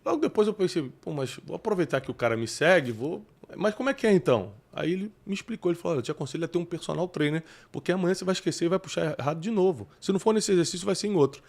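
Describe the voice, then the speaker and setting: A man hosting a talk show, animated and preachy, often bringing in scripture. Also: high-pitched, racing, creaky, few pauses. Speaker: podcast host. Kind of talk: casual chat.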